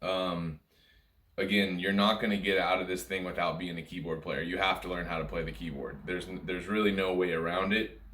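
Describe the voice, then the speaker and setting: At normal speed and with fairly even intonation, a music teacher speaks in a low, slightly bright voice over a little hiss or hum. He gives a casual, rambling lesson to camera, repeating his points often, in an echoey room.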